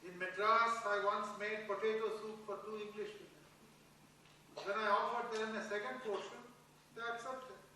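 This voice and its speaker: A man's voice: sits high, steady tone, unhurried, sharp tone, heavily acted. A man playing an earnest, stubborn, ailing mathematical genius, insistent in a staged play reading. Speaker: actor in a dramatised play reading. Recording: echoey hall, distant mic, faint noise.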